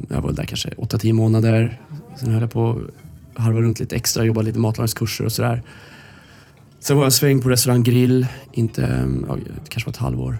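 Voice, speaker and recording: Long, frequent pauses break up the speech, with music playing in the background. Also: man, medium pitch for a man, ordinary pitch variation, fairly quick pace. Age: 30s. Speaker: head chef. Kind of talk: casual interview. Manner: halting, many repetitions.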